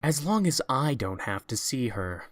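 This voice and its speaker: A man's voice: mid-range voice, sing-song, measured pace. An actor playing a stern, guarded young businessman and protective older brother, speaking in a curt, restrained way in an audio drama. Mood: reserved, fond.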